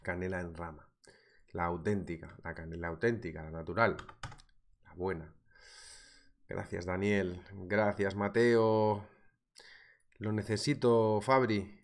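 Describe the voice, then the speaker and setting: Speaking slowly in a deep voice with long pauses, this thirty-something Spaniard runs a live market analysis webinar, reading out viewer comments. A cold has left his throat sore. He sits at a desk in a small indoor room and keeps things lively and conversational, talking directly to his audience.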